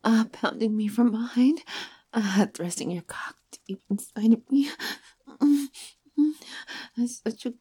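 Woman playing a breathy, whispering life-draining temptress. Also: a little high, expressive, unhurried, dark tone. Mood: seductive, domineering. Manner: breathy, whispered, domineering teasing. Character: predatory seductive female life-draining creature. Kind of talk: erotic audio roleplay.

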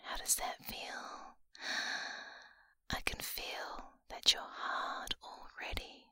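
A woman whispering slowly and intimately into a close microphone, with a breathy voice and frequent sighs. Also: pushed and bright, no room sound. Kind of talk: whispered ASMR-style roleplay.

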